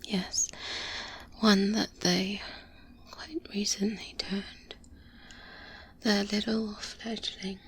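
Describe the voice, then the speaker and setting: Here the same calm, cautious vampire hunter, voiced by a woman in a soft-spoken ASMR roleplay, mentors her trainee in a mid-range voice, now musing and amused. She whispers softly and breathily, slow and hesitant, with murmured pauses and hums. It's captured close-up with a binaural microphone, and background noise comes through clearly.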